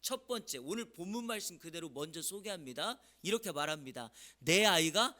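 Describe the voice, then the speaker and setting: A male pastor delivers an early-morning sermon in a church. His voice sits high and rings with a bright, forceful edge. He keeps questioning the congregation with emphasis. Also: animated, fairly quick.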